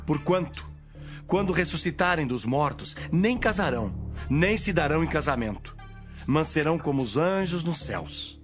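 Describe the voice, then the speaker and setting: A Brazilian man playing an authoritative teacher, measured and declamatory, in a dramatized audio Bible. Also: on the high side, lively intonation, music in the background, close to an everyday voice. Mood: authoritative teaching.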